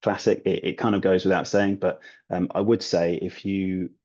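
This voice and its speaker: A man talking as a guest in a casual interview, relaxed and chatty with many ums and restarts. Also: low voice, moderate pace, lo-fi sound. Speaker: guest, language learning YouTuber.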